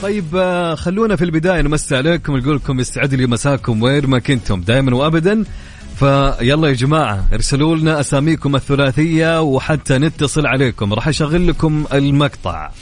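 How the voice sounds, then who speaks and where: A young man with a Saudi accent hosting a lively radio show, chatty and upbeat, answering his own questions. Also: a little high, fast. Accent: Saudi Arabic. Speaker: radio host. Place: radio studio. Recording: studio radio with faint music.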